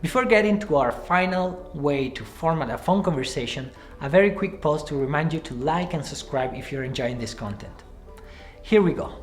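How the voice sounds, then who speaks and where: A man in his thirties presenting a scripted screenwriting tutorial to camera from a small room, speaking in a clear, measured way. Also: a little high, animated, soft background music. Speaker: screenwriting teacher. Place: small room with cards pinned on the wall.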